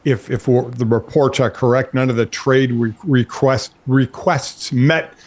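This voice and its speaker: A man's voice: medium pitch, steady tone, a little slow, a little mellow. A man co-hosting a casual sports discussion, repeating words as he reasons things out. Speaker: sports talk co-host.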